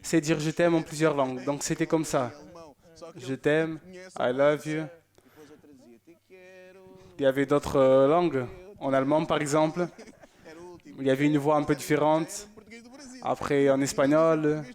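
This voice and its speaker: Man, church show presenter, casual message reading, joking, slightly high voice. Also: level tone, normal speed, a little mellow. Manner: chatty and joking.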